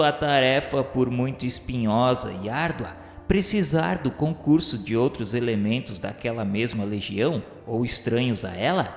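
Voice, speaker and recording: Gravelly man narrating a solemn radio serial. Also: mid-range voice. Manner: solemn, measured reading. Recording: reverberant room with faint music. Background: faint background music.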